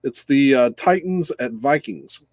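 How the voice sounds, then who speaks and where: A man's voice: mid-range voice, expressive, a little slow, darkish tone, no echo. A man co-hosting a casual football picks show, hesitant and easygoing, often chuckling. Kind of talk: casual sports chat.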